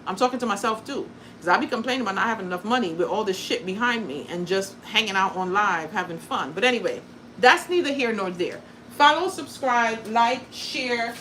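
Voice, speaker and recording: A woman's voice: medium pitch, expressive, fairly quick, sharp tone, a little hiss or hum, low-quality recording. A woman born in Guyana and raised in the US, hosting a casual crafting livestream, chatty and blunt, swearing freely and joking at her own expense. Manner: blunt and profane, chatty, self-deprecating. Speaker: crafting content creator and livestream host.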